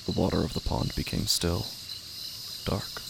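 A man with a gravelly voice narrating a literary horror audio drama in measured, somber, short phrases. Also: low-pitched, big pitch swings. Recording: faint background noise with night insects.

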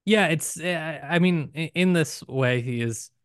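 A man co-hosting a podcast, talking through a book casually with emphatic, deliberate phrasing broken by pauses. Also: a little high, smooth, no echo, studio quality. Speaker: podcast co-host.

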